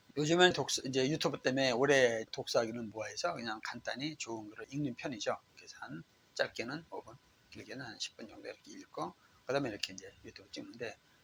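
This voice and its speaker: A man rushes along at a very fast pace with big swings in loudness. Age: 60s. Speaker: motivational YouTuber, mentor and counselor. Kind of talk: casual vlog monologue.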